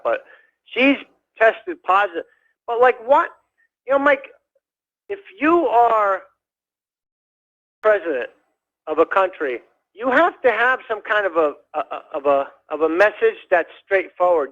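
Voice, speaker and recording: A man calling in to a radio show, rambling in a halting way with many fillers and restarts. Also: high-pitched, sing-song, a bit bright. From United States. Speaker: caller. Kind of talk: rambling call-in chat. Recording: dull lo-fi phone call.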